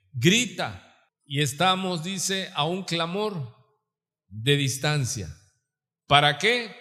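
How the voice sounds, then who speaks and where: A male pastor delivers a live Sunday sermon in a church sanctuary. His voice is high and bright, climbing into fervent, emphatic preaching as he keeps calling the congregation brother. The live recording carries a long, hall-like reverb. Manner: rising to fervent preaching, stressing words; addresses listeners as "hermano".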